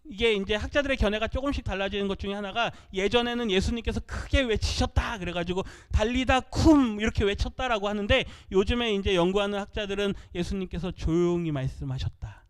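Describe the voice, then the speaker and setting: A male pastor with a high voice delivers a sermon in church. He reads scripture out loud with his congregation and teaches by asking questions, then answering them himself. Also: fast talker, few pauses, clear, resonant tone.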